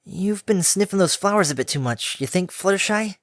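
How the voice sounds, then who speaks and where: A man's voice: high voice, expressive, brisk, no echo, studio quality, voice pushed up. A man voicing a cocky tomboy filly. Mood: cocky awkward. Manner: cocky, awkward, smirking. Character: brash tomboyish young filly pony.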